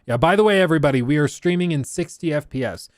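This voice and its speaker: A man's voice: fairly high pitch, lively intonation, fast talker, music in the background. A man giving casual, enthusiastic live reaction commentary on a stream, chatty and loose with fillers. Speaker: streamer reacting to a game showcase.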